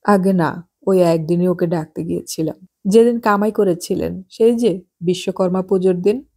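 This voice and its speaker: A woman voicing a nosy, gossipy well-off married woman in an audiobook, chatty and sharp-tongued. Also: lowish voice, normal speed, slightly rough. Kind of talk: audiobook character voice.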